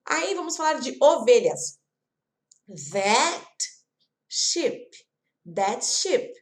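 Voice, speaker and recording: Slow-paced Brazilian woman teaching English. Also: high voice, expressive. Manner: slow, careful repetition of example words; chatty, addresses viewers directly. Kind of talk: online language lesson.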